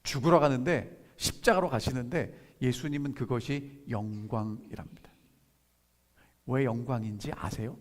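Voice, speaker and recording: A pastor preaching a sermon, who keeps asking the congregation questions and then answers them, and reads scripture slowly and softly. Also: male voice, mid-range voice. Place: church sanctuary. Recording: long church hall reverb.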